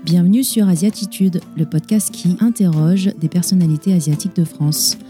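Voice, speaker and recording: A woman podcast host reading a scripted, measured introduction. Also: lowish voice. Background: soft guitar music.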